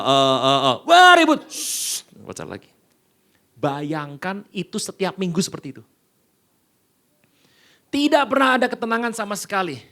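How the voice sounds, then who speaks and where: A male pastor preaching a sermon in a casual, colloquial way, telling stories with sudden jumps between loud bursts and hushed asides. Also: high voice. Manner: animated storytelling with sudden loud and hushed swings.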